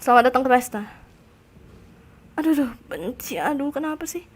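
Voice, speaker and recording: Speaking fairly quickly with lively intonation, a high-pitched young woman narrates her live gaming stream over slight background noise. She talks easily to chat, lets out squeals and shrieks when surprised, and mocks opponents with pretend toughness.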